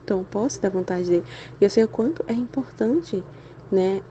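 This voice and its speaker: An adult woman giving a casual spiritual talk for a Catholic channel, chatty and animated, sprinkling "né?" through her speech while feeling unwell and weary. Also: medium pitch, fairly quick, dull audio, a little hiss or hum. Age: adult with a school-age son and husband. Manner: chatty, constant "né?" tags, animated exclamations.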